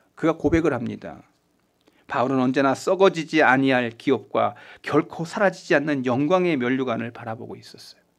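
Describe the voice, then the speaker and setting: On a very clean recording with a silent background, a man with a fairly high pitch and vocal fry speaks at a moderate pace with ordinary pitch variation. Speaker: pastor. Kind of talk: sermon. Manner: conversational, switches to casual speech.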